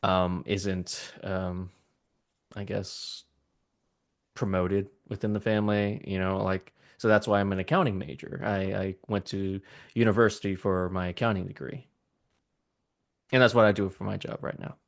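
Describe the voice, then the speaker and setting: A man's voice: deep voice, level tone, moderate pace, vocal fry. A man in his thirties whose first language is Vietnamese, chatting casually as a podcast guest and gushing eagerly about cartoons. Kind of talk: casual chat.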